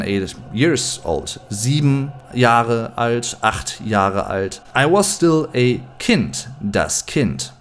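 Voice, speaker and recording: A man's voice: medium pitch, slight background noise. A man in his late twenties from Germany, a native German speaker with a German accent, chatting casually to camera as a YouTube host and mixing German words into his English. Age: late 20s.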